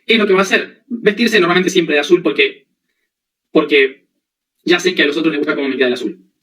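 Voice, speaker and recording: A man's voice: a little high, fast talker, fairly bright tone, far from the mic, rough recording. Man lecturing from off the mic. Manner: explains with everyday examples and frequent checking questions. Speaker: spiritual teacher. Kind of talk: spiritual lecture.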